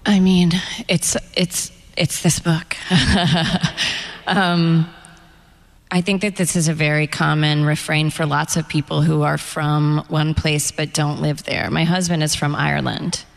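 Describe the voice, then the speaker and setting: A woman's voice: sits low, level tone, measured pace, gravelly. A middle-aged woman novelist speaking candidly on stage about her life and work, with wry humor. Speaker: novelist being interviewed. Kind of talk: onstage author conversation. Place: event stage before an audience. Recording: echoey hall, long reverb.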